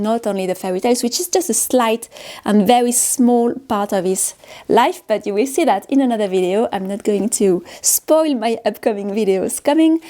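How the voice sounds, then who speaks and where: A woman from France with a French accent and French as her native language, hosting a casual, unscripted vlog in a halting way with repeated words and self-corrections. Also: on the high side, mellow. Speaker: paper artist hosting a studio vlog. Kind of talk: casual, unscripted show-and-tell.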